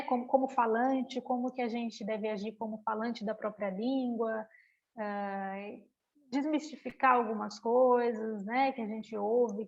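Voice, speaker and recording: A woman's voice: fairly high pitch, gravelly. Brazilian woman lecturing over a dull webinar line. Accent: Brazilian Portuguese. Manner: chatty, often adds tag questions. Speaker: language lecturer. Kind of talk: informal online lecture. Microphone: video call.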